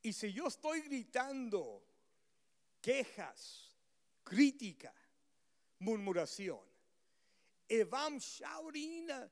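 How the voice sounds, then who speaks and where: High-voiced man preaching fervently in a reverberant church. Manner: fervent preaching, rising to shouts. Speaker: pastor. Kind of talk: bilingual sermon, switching between phrases.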